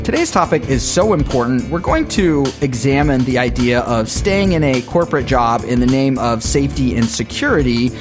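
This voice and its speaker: Man, podcast host, smooth scripted ad read, faint background music. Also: mid-range voice, sing-song, normal speed, hardly any pauses. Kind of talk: read ads and interview intro.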